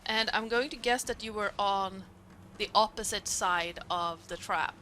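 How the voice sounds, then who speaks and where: A woman with German as her first language, running a tabletop game as game master, talking in halting bursts full of fillers. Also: medium pitch, sharp tone, slight background noise. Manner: halting, many fillers, quick laughs. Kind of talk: narrating a tabletop game and chatting.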